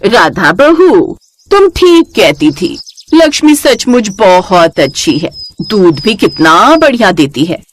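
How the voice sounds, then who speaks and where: A woman's voice: mid-range voice, sing-song, takes it slowly. A woman voicing a greedy, scheming older mother-in-law in a cartoon story, talking in a sly, coaxing way.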